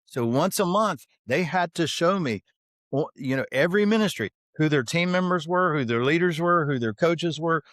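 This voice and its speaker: A man's voice: fairly high pitch, lively intonation, moderate pace, a bit bright, no echo, studio quality. A man guest on a podcast interview, telling stories and driving points home with emphatic rhetorical questions. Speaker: podcast guest, author on leadership development. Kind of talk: conversational podcast interview, storytelling.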